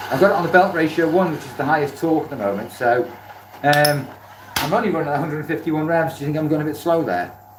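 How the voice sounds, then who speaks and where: Amid audible room echo and noticeable background noise, a man talks very fast at a fairly high pitch with ordinary pitch variation. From Wales. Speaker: hobby woodturner streamer. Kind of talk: live stream demonstration. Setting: home workshop, window open on a windy day. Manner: casual, repetitive.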